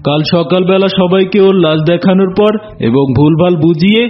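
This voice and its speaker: A man voicing a sly, boastful, villainous tiger in an animated fable, theatrical in manner. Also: high voice, a little fast, natural voice. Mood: gloating, menacing. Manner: gloating, theatrical, with villainous cackles. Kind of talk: Bengali animated fable voice acting. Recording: dull lo-fi audio with music.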